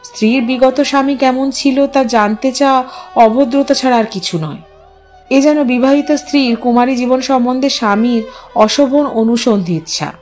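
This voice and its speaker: Female audiobook-style narrator, slightly high pitch, expressive literary storytelling. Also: normal speed, faint music behind.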